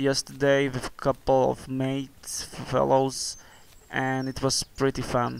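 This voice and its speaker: A man speaks with a non-native accent at a medium pitch. His pace is very slow and his intonation monotone and flat. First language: not English. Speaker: gaming YouTuber. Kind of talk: game review. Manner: halting, many fillers.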